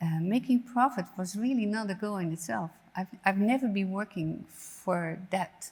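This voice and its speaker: Here a woman speaks at a medium pitch. Her voice is somewhat breathy. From Netherlands. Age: 50s. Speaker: company CEO. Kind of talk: onstage interview. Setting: theater stage with audience. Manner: halting.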